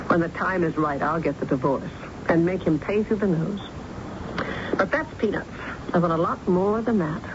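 A woman's voice: lowish voice, normal speed, natural voice. An actress playing a hard-up, ambitious young secretary and mother in a wry 1970s radio drama style. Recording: muffled, noisy 1970s radio recording.

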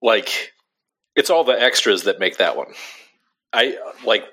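This young co-host speaks a little slowly in a lowish, expressive voice that's sharp and a bit rough. He keeps the podcast chat casual and loose, laughing easily and leaning heavily on "like."

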